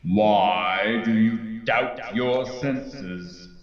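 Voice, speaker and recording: A man playing the solemn, sorrowful ghost of a dead man in an audio drama, speaking gravely and theatrically. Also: on the low side, reverberant, highs cut off, soft background music. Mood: commanding, eerie. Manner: grave, slow, declamatory. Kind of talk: theatrical radio drama acting.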